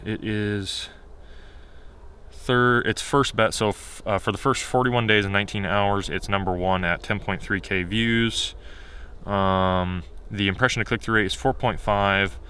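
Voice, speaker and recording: A man talking in a casual, unscripted vlog style, candid and rambling as he thinks aloud, his voice getting a little hoarse. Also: lowish voice, fairly even intonation, unhurried, bright, forceful tone. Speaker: video creator.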